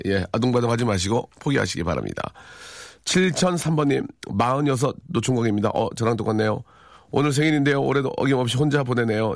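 A man in his forties hosting a live radio show, reading listener messages with dry, teasing deadpan humor. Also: medium pitch, gravelly, dry recording. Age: 40s. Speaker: radio host. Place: radio studio. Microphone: studio microphone.

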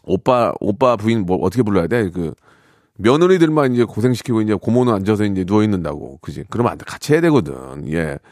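A man's voice: lowish voice, expressive, fairly quick, darkish tone, dry recording, studio quality. A middle-aged man hosting a radio show, reading listener messages and joking about them with mock outrage in a casual chat.

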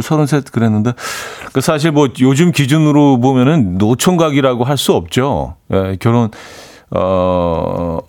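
A man in his forties hosting a radio show, chatting casually and loosely with many fillers while answering listener messages. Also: mid-range voice. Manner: relaxed, rambling, many fillers.

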